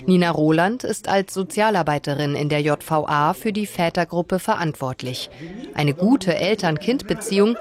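A woman reporter narrating a television news feature in a calm, descriptive voice-over. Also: lowish voice.

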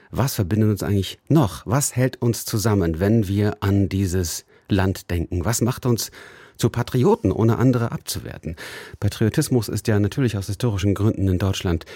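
A man hosting a radio call-in talk show from a studio, announcing in a measured way with an occasional filler. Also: sits low, warm tone, husky, no room sound. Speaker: radio host. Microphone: studio microphone.

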